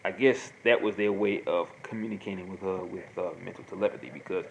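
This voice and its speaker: A man talking casually and rambling in a monologue, restarting sentences and filling pauses. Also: low voice, fairly even intonation, gravelly. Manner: rambling, repeats himself, many fillers. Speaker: host answering viewer questions. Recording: noisy home recording.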